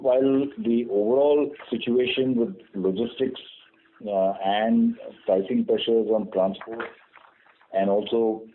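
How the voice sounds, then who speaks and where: A man giving prepared business remarks as a company executive, in a measured, halting way. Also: fairly low pitch. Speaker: company executive on an earnings call. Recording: tinny narrow-band phone conference line.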